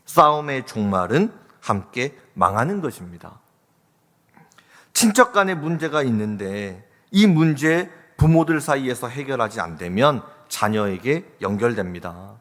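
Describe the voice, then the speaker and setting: A man's voice: mid-range voice, very animated, measured pace, fairly bright tone. A man preaching a sermon as pastor in a church sanctuary, exhorting his listeners with rising, impassioned calls. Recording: reverberant church hall.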